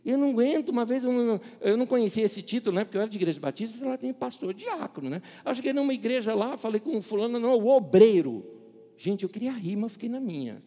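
Animated Brazilian pastor in reverberant hall. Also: male voice, very high voice, fast, few pauses. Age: middle-aged. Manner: animated storyteller, acts out dialogue, laughs at own jokes. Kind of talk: sermon with humorous anecdotes.

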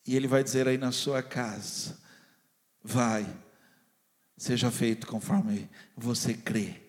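A man with a Brazilian Portuguese accent preaching a sermon as a pastor, fervent, swinging between loud and hushed delivery, and acting out the voices he quotes. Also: medium pitch, steady tone, slow pace. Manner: acts out the lines of people and God he quotes. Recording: long hall reverb.

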